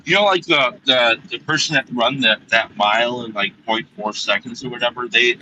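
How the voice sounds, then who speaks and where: A man calling in remotely, his connection cutting out so his speech comes through halting and broken. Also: medium pitch, sharp tone. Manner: halting, restarts mid-sentence. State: connection breaking up and dropping out. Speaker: remote caller. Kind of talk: casual chat. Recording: distant choppy streamed call with faint noise.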